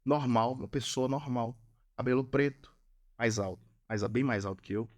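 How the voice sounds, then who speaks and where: A man's voice: medium pitch, moderate pace. A man, a Catholic missionary and podcast guest, telling a personal testimony and repeating phrases for emphasis. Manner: earnest storyteller who repeats phrases for emphasis.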